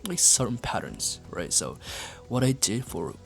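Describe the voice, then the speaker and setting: A young man who speaks English with a Japanese accent, Japanese being his first language, talking casually to camera in a halting way with many fillers. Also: mid-range voice, sing-song, creaky, faint music behind. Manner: halting, filler-heavy, asks "right?" often. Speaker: English-learning YouTuber. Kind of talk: casual vlog talk to camera.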